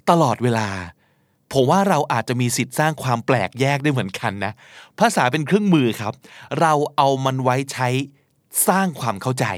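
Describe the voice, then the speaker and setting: Male talk host, animated delivery, casual and slangy, dry studio sound. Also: medium pitch, no echo. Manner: lively, conversational, slangy, with emphatic asides. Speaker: podcast host teaching English.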